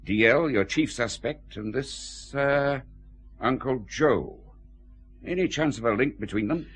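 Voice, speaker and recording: A gruff, husky police chief. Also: male voice, mid-range voice, measured pace. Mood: stern. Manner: dry, grumbling authority. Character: gruff senior male police chief, weary and sardonic. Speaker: head of CID, senior police officer. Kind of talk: radio drama acting.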